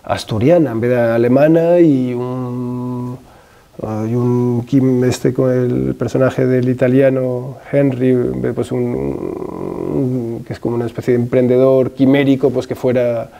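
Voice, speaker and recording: A man's voice: mid-range voice, a little slow, creaky, warm tone. A man in his thirties, a film director, answering interview questions in a hesitant, thinking-aloud way with many restarts. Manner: gestures with his hands as he talks. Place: room with wooden shelves, indoors.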